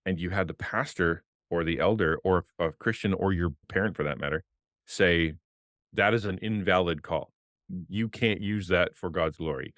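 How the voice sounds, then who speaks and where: A man with a deep, low voice talks with passion and animation, a former pastor sharing his work as a podcast guest. His words come close and dry from a desk microphone in a small streaming room. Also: normal speed, dry recording. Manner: passionate, animated, gestures with hands. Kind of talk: casual interview talk. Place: home streaming room with colored lights. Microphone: desk podcast mic on arm, headphones.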